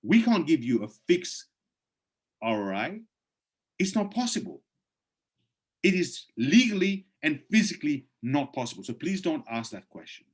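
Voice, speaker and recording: A man presenting on a video call and then answering chat questions. He is persuasive and emphatic, pushes his voice up sharply on key points, and sounds hoarse, clearing his throat from time to time. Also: on the high side, sing-song, normal speed, pauses often. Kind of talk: webinar presentation with live Q&A.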